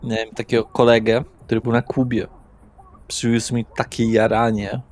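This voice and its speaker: A man's voice: mid-range voice, little pitch movement, moderate pace, a little mellow, soft background music, lightly acted. A man voicing a young, naive party guy in an audio roleplay, chatty and pestering with slangy swearing. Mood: excited, chummy. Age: young adult.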